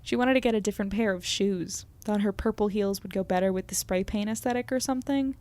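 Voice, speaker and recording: A woman's voice: medium pitch, fast talker, a little mellow, lightly acted. A woman playing an earnest, self-deprecating young podcaster, chatty and descriptive as she narrates her evening in an audio drama. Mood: anxious, chatty.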